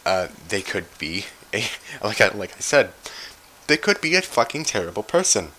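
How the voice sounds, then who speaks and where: A man with a raspy voice giving rambling, unscripted commentary, swearing freely and trailing off with fillers. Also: lowish voice, very animated, normal speed, sharp tone, rough recording. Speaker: commentary YouTuber.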